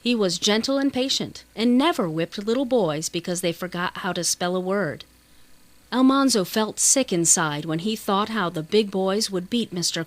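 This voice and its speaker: A woman's voice: mid-range voice, dry recording. A woman reading a children's novel as scripted audiobook narration.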